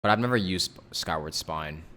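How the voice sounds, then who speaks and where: A man doing casual, slangy and expressive reaction commentary as a live game streamer. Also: sits low, normal speed.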